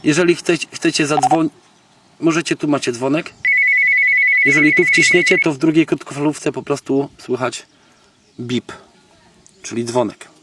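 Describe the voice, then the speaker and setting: A man from Poland gives a casual, unscripted gadget demonstration as a video blogger, halting and thinking aloud in colloquial, slangy speech. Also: fairly high pitch, steady tone. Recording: noisy, distant microphone, background clicks.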